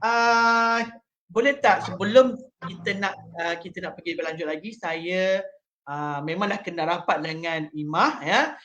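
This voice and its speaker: A man with a Malaysian Malay accent hosting a live online interview, talking with many pauses and fillers. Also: high voice, pushed and bright, dull audio. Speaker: live stream host.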